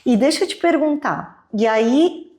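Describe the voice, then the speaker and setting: A woman's voice: sits high, lively intonation, measured pace, darkish tone. A woman hosting a podcast, asking questions and chatting casually with short affirmations. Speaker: podcast host, interviewer. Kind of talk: casual interview chat.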